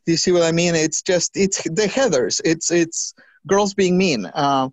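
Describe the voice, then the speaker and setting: A trans woman talking as a podcast guest, animated, with quick restarts and acted-out quotes. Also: fairly low pitch, no room sound. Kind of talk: conversational interview.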